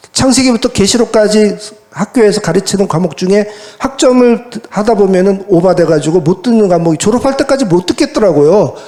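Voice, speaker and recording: High-voiced man preaching with rhetorical questions. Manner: lively, colloquial preaching with many rhetorical questions to the congregation. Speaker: pastor. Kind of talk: sermon. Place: church service.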